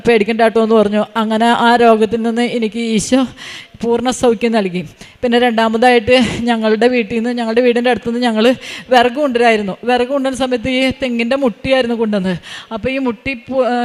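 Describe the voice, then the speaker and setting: A woman giving a personal religious testimony in a halting way, with frequent fillers and restarts. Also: a little high, big-room sound. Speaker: testimony giver.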